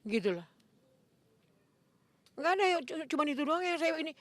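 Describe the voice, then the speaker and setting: An older woman in a casual interview, animated and acting out her reactions, with frequent coughs. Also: sits high, normal speed, no echo.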